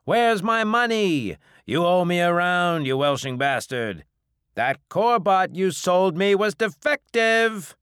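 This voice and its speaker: A man voicing a rowdy alien barfly, loud and complaining, in an audiobook. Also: high voice, sing-song, slow, clean tone, dry recording, clean studio sound, voice pushed up, exaggerated voice. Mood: angry. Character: rowdy, grumbling alien barfly owed money.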